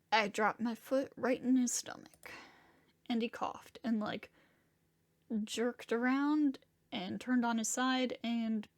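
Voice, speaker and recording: Woman as distraught young monstrous man, higher-pitched voice. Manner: halting, profane, conversational confession. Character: distraught young monstrous man Diego confessing a violent fight. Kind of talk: first-person dramatic fiction narration.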